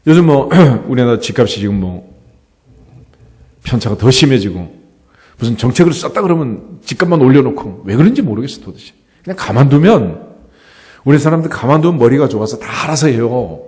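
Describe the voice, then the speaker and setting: A middle-aged male pastor preaching a sermon in a lively, conversational way, often asking the congregation rhetorical questions. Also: mid-range voice, brisk. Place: church sanctuary. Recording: church hall with long reverb.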